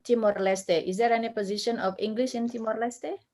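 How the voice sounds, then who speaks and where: High-voiced woman moderating a webinar. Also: steady tone, a little fast, a little mellow.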